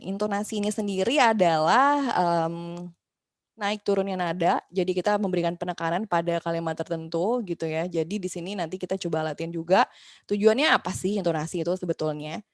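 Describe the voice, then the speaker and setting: A woman teaching an online voice workshop in a chatty, lively way, talking to listeners as friends and acting out quoted complaints. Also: fairly low pitch, brisk, no room sound, studio quality. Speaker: voice and podcasting workshop instructor. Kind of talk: casual online class teaching.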